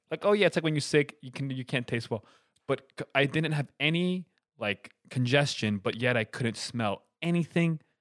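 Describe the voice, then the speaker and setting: Heard dry and close with no echo, a man with a normal speaking voice at medium pitch talks at a moderate pace with lively intonation. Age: 20s. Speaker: car podcast co-host. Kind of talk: casual chat.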